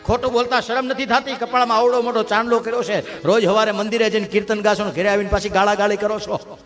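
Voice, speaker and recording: A man voicing a sharp-tongued, middle-aged village uncle, scolding in taunting questions. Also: fairly high pitch, brisk, soft background music, lightly acted.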